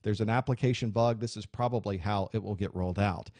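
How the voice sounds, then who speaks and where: A man teaching a computer course, explaining software settings in a clear, steady way while recording a screen tutorial. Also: on the low side, fast talker, dry recording. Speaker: IT instructor.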